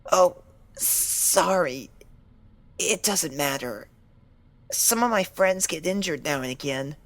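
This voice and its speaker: A woman's voice: fairly low pitch, animated, slow pace. A woman voicing a timid, frightened young pony, speaking hesitantly with stammers and apologies in an audio story. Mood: dazed, meek. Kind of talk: dramatic audio story acting.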